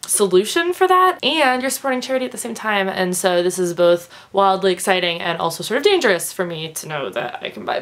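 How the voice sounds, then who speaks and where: A woman in her twenties with a stuffed-up nose, chatting casually and rambling through her monthly favorites. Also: medium pitch. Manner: chatty, rambling, with fillers and laughs. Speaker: vlogger.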